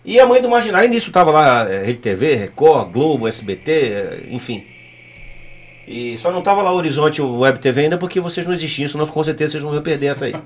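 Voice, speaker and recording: A middle-aged man with a notably high voice speaks in casual interview storytelling. He hammers his points home with blunt repetition. He sounds like a former officer turned politician holding forth. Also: sing-song, quick pace, slight background noise.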